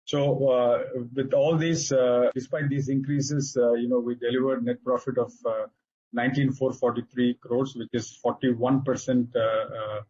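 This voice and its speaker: A man with an Indian accent delivers a corporate results presentation on a dull, lo-fi conference call. His voice is slightly rough and husky at a medium pitch. He speaks haltingly, padding his phrases with frequent filler sounds as an executive walking through figures. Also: little pitch movement, a little mellow.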